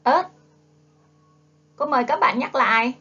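A woman with a Southern Vietnamese accent leads a primary phonics lesson in a fairly high voice. She speaks very slowly and drills the children patiently. The recording sounds dull and lo-fi. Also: sharp tone, slightly rough. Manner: coaxing, prompts children to repeat. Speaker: primary school teacher. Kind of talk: slow, drawn-out phonics lesson for young children. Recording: dull lo-fi classroom video audio.

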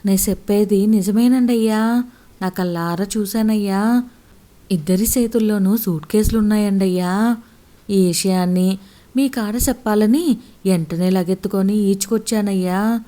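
A woman's voice: mid-range voice, unhurried, mellow, close to an everyday voice. A woman voicing a rustic male servant who urgently reports news in village speech.

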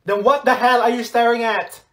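A man playing a confrontational, hot-tempered high school girl who talks loudly and aggressively in a comedy skit. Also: slow, full character voice. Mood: hostile. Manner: loud, aggressive.

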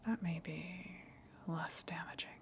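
A woman playing a gentle, coaxing eldritch tentacle monster in an ASMR roleplay, speaking hesitantly and considerately with long pauses. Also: low-pitched, vocal fry, slight background noise.

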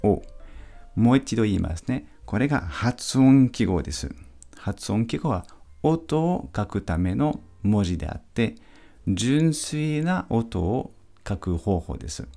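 A male teacher giving a patient pronunciation lesson, repeating each sound slowly for practice. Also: on the low side, big pitch swings, gravelly, warm tone, soft background music. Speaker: French teacher.

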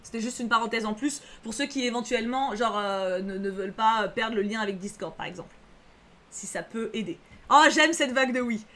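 High bright french-sounding? no, just chatty woman streamer, reassuring, lots of euh. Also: fairly quick. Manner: chatty, reads chat aloud, frequent fillers; reassuring, repeats herself. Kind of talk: casual live-stream chat.

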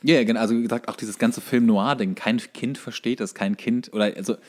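Man, podcast co-host, medium pitch, casual chat, informal storytelling. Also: steady tone, fast, a little mellow. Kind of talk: casual chat, retelling cartoon episodes.

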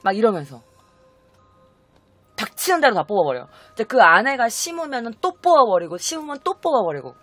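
A woman's voice: on the high side, big pitch swings, quick pace, hardly any pauses, a bit bright, no room sound, faint music behind. A woman telling a strange true story in a chatty, dramatic way, often asking the listener questions. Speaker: storytelling host. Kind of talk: casual storytelling vlog.

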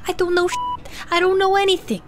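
A woman's voice: extremely high pitch, flat delivery, fast, voice pushed up. A woman voicing a cowardly, self-important male small-town deputy in a tabletop audio drama, pleading and blustering. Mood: nervous, evasive.

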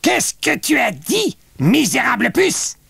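A man voicing a cranky, vengeful old witch with a grating, creaky voice in a children's audiobook. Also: huge pitch swings, fairly bright tone, dry recording, heavily acted. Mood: furious threats. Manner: slow, shrill and threatening.

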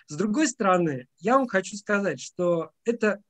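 A man giving a semi-formal, unscripted briefing as an education expert, speaking haltingly with frequent drawn-out hesitations. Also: sits high, animated. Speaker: education academic briefing teacher contest finalists.

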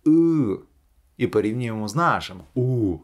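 A man teaching English pronunciation in a video lesson, demonstrating sounds slowly and clearly. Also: lowish voice, animated.

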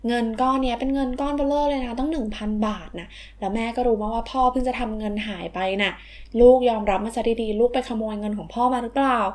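A woman's voice: a little high, quick pace, darkish tone, natural voice. A woman voicing a mother in a toy story, firm and lecturing toward her son. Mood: stern. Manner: firm, lecturing, sweet endings. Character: stern but caring mother scolding her son.

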